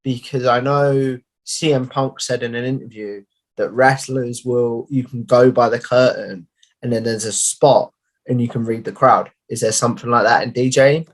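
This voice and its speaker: A young man hosts a casual interview from home, with a mid-pitched voice and a chatty, friendly manner. He asks questions loosely and drops in "like" as he goes. His voice comes through a headset mic on a video call. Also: fairly even intonation, moderate pace. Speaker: podcast host. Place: home room.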